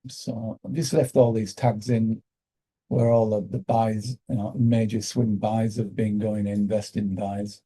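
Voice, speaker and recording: Croaky British male trading host, very dark and husky, muses aloud with many fillers. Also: fairly low pitch, level tone, rough recording. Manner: thinking aloud, halting with fillers. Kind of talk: live trading commentary.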